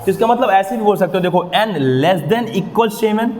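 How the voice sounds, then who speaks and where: A man's voice: high voice, normal speed, a little mellow, a little hiss or hum. A man teaching a maths class, explaining step by step and often questioning his students, with motivational asides. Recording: echoey room, long reverb.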